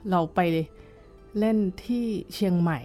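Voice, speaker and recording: Low-voiced woman musician, halting and thoughtful. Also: a little mellow, soft background music. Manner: thoughtful, halting, with many fillers and restarts. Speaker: violin teacher and guest. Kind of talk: casual interview chat.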